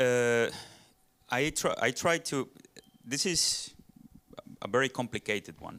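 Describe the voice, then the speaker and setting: Speaking with a Spanish accent, the voice has a bright, sharp tone, a fairly slow pace, ordinary pitch variation, and long, frequent pauses. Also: man, medium pitch for a man. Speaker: fiction writer. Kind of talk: panel discussion. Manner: halting.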